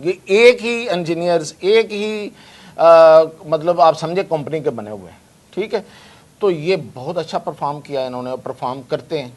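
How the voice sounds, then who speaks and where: Confident man, higher voice. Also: lively intonation. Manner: confident, salesman-like, mixes in English phrases. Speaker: defense analyst guest. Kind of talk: discussion on a news talk show.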